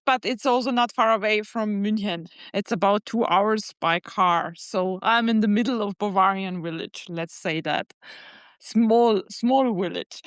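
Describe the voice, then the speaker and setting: Female podcast guest, Serbian accent, slightly high voice, unhurried casual talk with searching hesitations, dry recording. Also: a bit bright, no echo. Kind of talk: casual chat.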